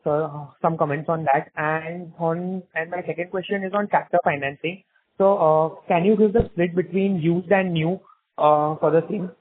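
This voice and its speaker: A man's voice: fairly high pitch, steady tone, moderate pace. A man on a conference call asks questions over the phone, politely calling the others sir. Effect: heard over the phone. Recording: tinny dry phone line.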